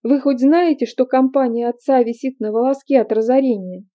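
A woman's voice: high voice, moderate pace, voice pushed up, close to an everyday voice. Woman voicing a furious tearful young woman. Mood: angry, tearful. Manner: sharp, accusing outbursts. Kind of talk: audiobook character reading. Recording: dull lo-fi recording.

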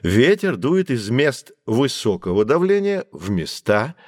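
A man playing a patient professor who explains things calmly to children in an audio drama. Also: mid-range voice, unhurried, no room sound. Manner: calm, lecturing explanations. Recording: dry studio recording.

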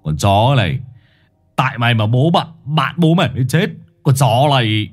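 A man's voice: mid-range voice, expressive, moderate pace, slightly rough. A man voicing a big, furious young man hurling curses. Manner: shouting curses. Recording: faint music behind.

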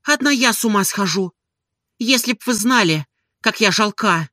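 A woman's voice: medium pitch, expressive, normal speed, sharp tone, no echo, studio quality, voice pushed up. A reader voicing an ashamed young woman in love, speaking in an emotional, pleading way. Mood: anguished pleading.

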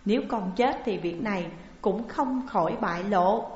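A woman's voice: medium pitch, moderate pace, a little mellow, close to an everyday voice. Distraught noble mother, as a woman reads her. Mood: anxious grieving. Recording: muffled, roomy with long reverb.

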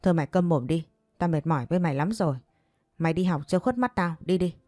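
A woman's voice: lowish voice, animated, fast talker, darkish tone, no echo. A woman voicing a weary middle-aged mother who scolds her daughter harshly, read in a storytelling voice. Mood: scolding.

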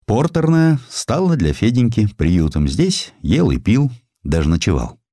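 Deep-voiced man narrating with lively expression. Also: no room sound, studio quality. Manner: theatrical, dramatic storytelling delivery. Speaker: audiobook narrator. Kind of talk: expressive scripted narration of a historical sketch.

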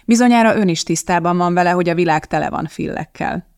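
An anxious, pleading male producer, voiced by an audiobook reader, fretting over every word. The voice has a gravelly grain. It is recorded close and dry. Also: mid-range voice, no echo, lightly acted. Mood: worried. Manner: worried and pleading. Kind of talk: audiobook character voice.

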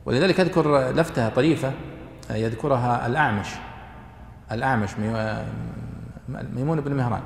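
A man teaching a class on Quranic exegesis, explaining points to students in a halting lecture style with fillers and restarts. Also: mid-range voice, gravelly. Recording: echoey hall, faint room noise.

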